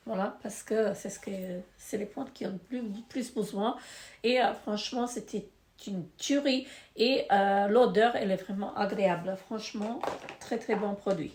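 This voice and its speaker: A woman's voice: medium pitch, moderate pace, a little mellow. A woman with a stuffy, congested nose, reviewing beauty products in a casual, hesitant way full of fillers. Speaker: beauty vlogger. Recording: echoey room.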